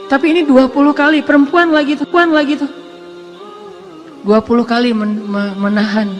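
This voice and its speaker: Male preacher, very high voice, casual storytelling sermon, acts out characters, faint music under. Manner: lively, acts out quoted voices, self-deprecating asides. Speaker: Islamic preacher.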